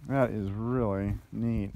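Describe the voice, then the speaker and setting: Slow, curious man touring outdoors. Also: on the low side, fairly even intonation, vocal fry, mellow, a little hiss or hum. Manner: curious, easily impressed, unhurried. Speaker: video host touring a sawmill. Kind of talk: casual on-site questions. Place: outdoor sawmill.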